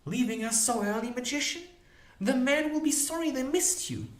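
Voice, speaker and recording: A man voicing a fierce, bitter, sharp-tongued ragged woman past her youth in a fantasy storybook. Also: very high-pitched, lively intonation, normal speed, roomy sound, pitched above the performer's own voice. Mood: mocking. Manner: scolding, sharp-tongued, emotional.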